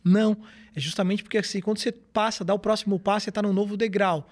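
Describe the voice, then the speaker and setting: High-pitched, fast-talking motivational man. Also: fairly even intonation. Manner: earnest, motivational, explains in steps. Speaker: guest, motivational speaker. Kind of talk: podcast interview, casual conversation.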